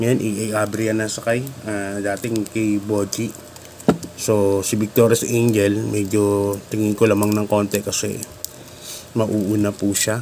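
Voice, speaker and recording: A man's fairly slow, flat, monotone delivery amid noticeable background noise. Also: fairly low pitch for a man. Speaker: horse racing tipster. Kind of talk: betting tips commentary. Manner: halting.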